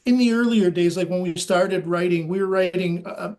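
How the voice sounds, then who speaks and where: Brief: nasal man, high-pitched, rambling musician guest, casual chat. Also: moderate pace, a little mellow. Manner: rambling, eager, many fillers.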